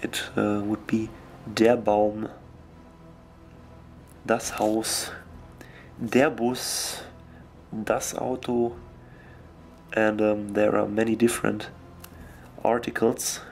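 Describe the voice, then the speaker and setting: A young man with a German accent, a native German speaker, talking casually and hesitantly while he paints miniatures at his desk, often pausing to search for words. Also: fairly low pitch, little pitch movement, gravelly, a little hiss or hum. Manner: slow, hesitant, searching for words with many ums.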